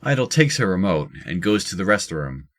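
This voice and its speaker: A man's voice: sits low, big pitch swings, moderate pace, a bit bright. A man reading scripted narration for an audio drama.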